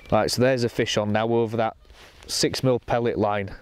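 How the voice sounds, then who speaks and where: A young man talking casually to camera while fishing from a lake bank outdoors, explaining his session in a relaxed, matter-of-fact way. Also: on the low side, normal speed, clear, resonant tone. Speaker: angler presenting a fishing session.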